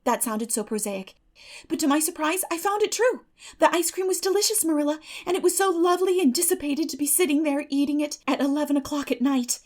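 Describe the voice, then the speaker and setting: A woman voicing an earnest, excitable, dreamy orphan girl in a storybook, with gushing, dramatic delivery. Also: sits high, a little fast, pitched above the performer's own voice, natural voice. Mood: earnest, chatty. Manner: gushing, dramatic, breathy in rapture.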